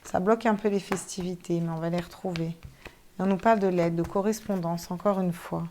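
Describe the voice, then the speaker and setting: A woman's voice: on the low side, steady tone, brisk, a little mellow, slight background noise. A woman giving a casual tarot reading to viewers, chatty and thinking aloud, with some casual swearing. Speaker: tarot card reader.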